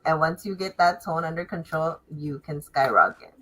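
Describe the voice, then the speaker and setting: A woman's voice: deep voice, moderate pace, fairly bright tone, low-quality recording. A woman hosting an interview show, speaking in a frank, direct way. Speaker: host. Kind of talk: casual interview chat.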